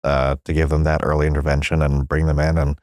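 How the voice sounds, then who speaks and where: A man's voice: very deep voice, flat delivery, fast talker, a little mellow, no echo, clean studio sound. A man interviewing a guest, polite and appreciative as he wraps up. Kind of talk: interview wrap-up.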